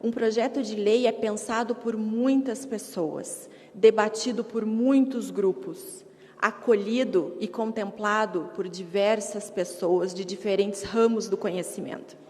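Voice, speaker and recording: A woman's voice: medium pitch, steady tone, a little slow, a little mellow. A woman gives a formal advocacy speech to a council, emphatic and rhetorical, in short repeated phrases. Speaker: advocate addressing city council. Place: council chamber. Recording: echoey hall reverb.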